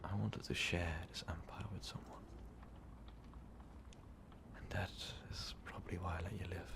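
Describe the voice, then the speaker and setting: A very low, gravelly vampire overlord, played by a man, murmurs in a halting half-whisper. He sounds tormented and lovestruck, a ruthless conqueror weighed down by remorse, confessing intimately to the listener in an ASMR roleplay. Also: flat delivery. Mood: wistful, confessional. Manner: halting, slow, confessional, formal wording.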